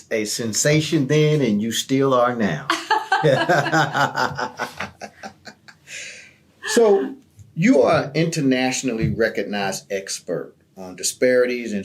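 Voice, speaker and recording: A man hosting an interview, asking measured, formal questions. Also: mid-range voice. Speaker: host, college dean.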